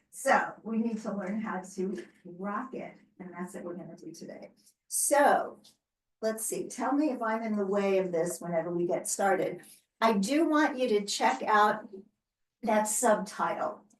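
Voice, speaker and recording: A woman's fairly high, animated voice in an American accent, fairly slow with long, frequent pauses, in audible room echo. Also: lively intonation, big swings in loudness. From US Midwest, Kansas City, Missouri. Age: 70s. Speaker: author and speaker. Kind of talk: talk to a live group.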